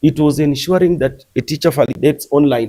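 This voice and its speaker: Moving at a moderate pace, a man's fairly high voice carries a dark, mellow tone. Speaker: union official and candidate. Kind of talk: live debate. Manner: loud; animated.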